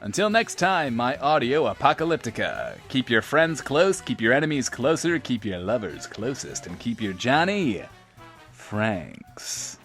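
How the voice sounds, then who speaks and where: A vain, smooth-talking radio show host from an audio drama. His florid patter swells and dips theatrically in a medium register, with faint music underneath. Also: medium pitch, big pitch swings, measured pace, a bit bright. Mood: self-promoting, showy.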